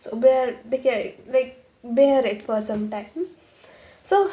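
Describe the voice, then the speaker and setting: The woman speaking has a high-pitched voice. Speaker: tarot reader. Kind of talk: tarot reading to camera. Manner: casual, code-switching Hindi-English.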